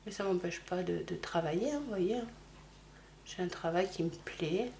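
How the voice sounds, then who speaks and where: A middle-aged woman talks her viewers through a makeup tutorial in a relaxed, chatty way. She keeps apologizing for small slips, and faint clicks and handling noises come from behind her. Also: fairly low pitch, moderate pace, vocal fry, slight background noise. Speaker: makeup vlogger. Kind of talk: casual makeup tutorial chat.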